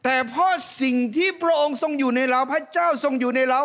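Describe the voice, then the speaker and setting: A middle-aged pastor preaches a sermon from a church stage into a handheld mic. He's animated and talks fast, swinging between loud, rising calls and soft, low asides.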